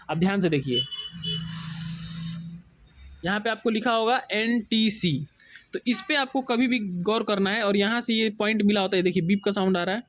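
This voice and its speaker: A man's voice: sits high, no echo, dull audio. A man from India explaining a phone repair step by step at his workbench, often pointing out what to look at carefully. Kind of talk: hands-on repair tutorial.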